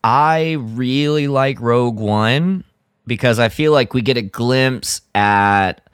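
A man's voice: mid-range voice, takes it slowly, smooth, dry recording, studio quality. A man co-hosting a podcast, sharing opinions in an informal, rambling way. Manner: rambling, informal, frequent filler "like". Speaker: podcast co-host. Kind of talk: casual chat giving opinions.

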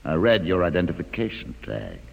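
An actor playing a calm, intelligent mutant leader in a 1950s radio drama, speaking in a measured, faintly mocking way. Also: male voice, low voice, vocal fry, full character voice. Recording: old radio broadcast with long hall reverb.

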